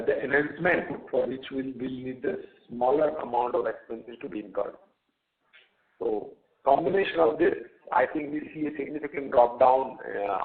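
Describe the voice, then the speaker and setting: An Indian man speaking as a company executive, giving unscripted answers to analysts in a halting way, often repeating words. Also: medium pitch, gravelly. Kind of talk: unscripted earnings call answers. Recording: narrow, tinny phone line.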